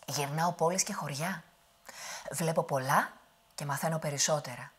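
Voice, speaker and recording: A woman voicing a brave young man on a quest, with a husky voice. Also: low voice. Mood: earnest. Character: brave young male wanderer.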